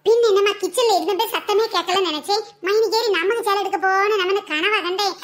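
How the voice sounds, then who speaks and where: A woman's voice: very high voice, fast talker. A woman voicing a sly, eager young sister-in-law in a cartoon comedy who giggles as she wheedles. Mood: giggly.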